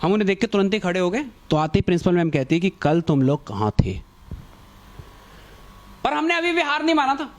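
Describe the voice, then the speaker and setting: A man's voice: racing, few pauses. A young man doing stand-up comedy, telling a school story and acting out the people in it with shifting voices. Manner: animated, acts out quotes with shifting pitch. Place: comedy stage with audience.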